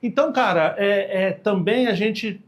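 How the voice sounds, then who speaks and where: A man's voice: high-pitched, a little slow. A man with a Brazilian accent, a podcast guest chatting casually in a slangy way and acting out quoted lines. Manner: slangy, acts out quoted dialogue in voices. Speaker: podcast guest, communication expert.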